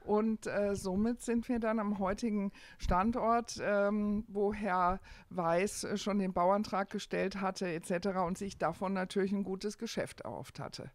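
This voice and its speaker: A middle-aged woman telling stories as an interview guest, pausing and hesitating as she explains. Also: medium pitch, fairly even intonation, no room sound. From Germany. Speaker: interview guest, family hotel owner. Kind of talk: conversational interview storytelling.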